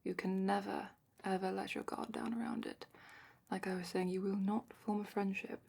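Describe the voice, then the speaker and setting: A woman playing a calm, matter-of-fact dragon expert in a hushed, partly whispered fantasy ASMR roleplay, explaining without hurry in a breathy voice. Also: mid-range voice, normal speed. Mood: calm, instructive.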